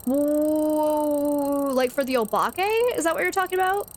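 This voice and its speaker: Very high and sing-song, a woman's voice moves fast over slight background noise. She's streaming a video game, chatting casually, laughing often, and reading her viewers' messages out loud.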